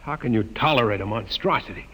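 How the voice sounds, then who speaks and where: An actor playing a proud, rigid young scientist in a 1950s radio drama, questioning in an indignant, disbelieving way. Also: male voice, on the low side, fast talker, a bit bright.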